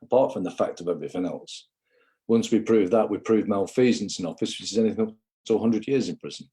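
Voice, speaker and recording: Man, husky, mellow dark tone, lowish pitch, rambling livestream rant. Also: fast talker. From England. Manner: rambling, repetitive, addresses viewers as guys. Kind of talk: impassioned livestream monologue.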